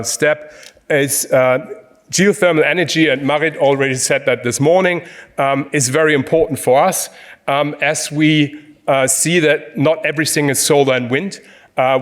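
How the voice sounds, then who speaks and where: A man giving a conference presentation on emissions data, speaking haltingly with many fillers and restarts. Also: fairly high pitch. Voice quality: hesitant, frequent fillers.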